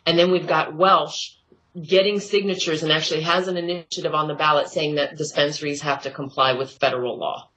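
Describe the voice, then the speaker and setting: A woman's voice: low voice, fairly even intonation, brisk, a bit bright, rough recording. A woman activist calling in to a show as a correspondent, giving earnest political commentary.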